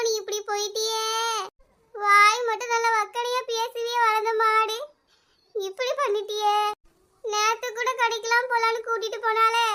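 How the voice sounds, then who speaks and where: A woman's voice: extremely high pitch, a bit bright. A woman playing a caring, motherly village neighbour who soothes and coaxes the others. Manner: soothing, motherly, calls others by pet names. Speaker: neighbour Gomathi. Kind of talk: village family drama acting.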